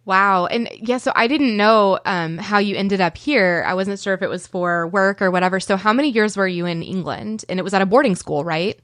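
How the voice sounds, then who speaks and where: Woman podcast host in her thirties, bubbly and chatty, mid-pitched, dry close recording. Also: moderate pace, hardly any pauses, a bit bright, no echo. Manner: upbeat, chatty, laughs easily. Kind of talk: casual interview chat.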